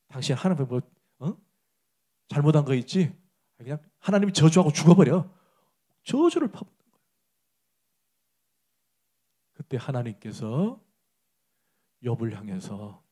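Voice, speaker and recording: A man's voice: sits high, a little mellow, breathy edge. A man preaching a Sunday sermon as pastor, emphatic and asking the congregation direct questions.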